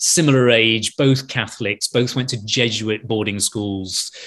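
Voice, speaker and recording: Speaking at a moderate pace with an English accent, a man is heard over a quiet background. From England. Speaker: television wine show presenter; television presenter. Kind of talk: casual chat. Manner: animated. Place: kitchen. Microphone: webcam.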